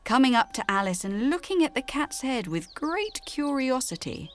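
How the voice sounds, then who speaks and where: A woman's voice: high-pitched, sing-song, normal speed. A woman reading scripted narration as a storyteller. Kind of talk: scripted narration for a drama reel.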